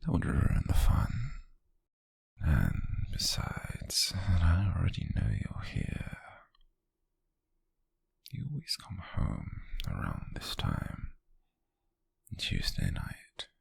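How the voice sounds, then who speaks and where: A man voicing an obsessive British yandere stalker, very deep husky whisper, slow and drawn-out, sinister teasing, close-miked ASMR roleplay. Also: huge pitch swings, no echo, full character voice. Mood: teasing menace. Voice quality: breathy, raspy whisper. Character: obsessive, menacing yandere male stalker, possessive and calm. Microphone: close-up ASMR microphone.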